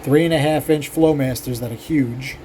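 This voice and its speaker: Mellow and steady in tone, this medium-pitched man speaks at normal speed over slight background noise. He's an older cylinder head porter chatting casually to camera about his work, rambling, full of fillers and poking fun at himself.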